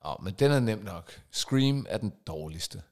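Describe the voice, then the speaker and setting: A man's voice: fairly low pitch, animated, a little mellow. A man co-hosting a podcast in casual chat, giving short reactions and confident opinions. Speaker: podcast co-host.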